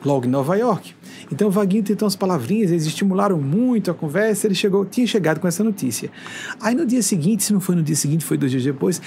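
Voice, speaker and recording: A man's voice: a little high, gravelly, slight background noise. A man in his forties from northeastern Brazil, talking to his viewers in a conversational monologue and acting out quoted dialogue as he tells stories. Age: 40s. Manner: lively storytelling that acts out quoted dialogue. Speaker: spiritual speaker addressing viewers.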